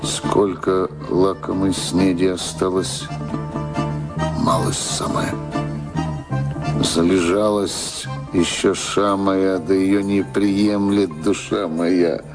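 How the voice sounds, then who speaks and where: Casting: male actor as aged count, plaintive and worried, low slow delivery for verse radio drama. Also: little pitch movement, over loud music. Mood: fretful, gloomy. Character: aged, worried male count fretting over a starving kingdom. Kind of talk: verse radio play acting.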